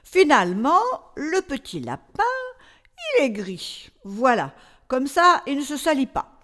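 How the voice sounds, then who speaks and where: A patient storyteller acted by a woman talks as if to a child in a comic radio dialogue. The voice is fairly high and swoops expressively, at a slow pace, with hesitant, coaxing turns as the patience wears thin. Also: big pitch swings, a bit bright, exaggerated voice. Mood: patient, improvising. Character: patient but increasingly flustered woman storyteller.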